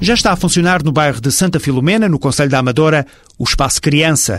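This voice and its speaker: On a very clean recording with a silent background, a man in a normal speaking voice talks at a fairly quick pace with a fairly high pitch and ordinary pitch variation. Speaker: radio magazine host. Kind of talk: scripted narration. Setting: studio. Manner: formal.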